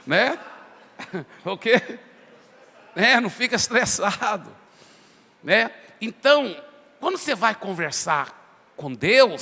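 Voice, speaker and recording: A pastor preaching in a conversational way, acting out prayers and little dialogues. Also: male voice, high-pitched, creaky, pushed and bright. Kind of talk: sermon. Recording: long hall reverb.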